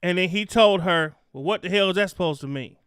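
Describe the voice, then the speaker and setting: A man's voice: sits high, a little fast, a bit bright, clear, resonant tone, no room sound, studio quality. A man hosting a live stream debate, pressing his guest with pointed questions.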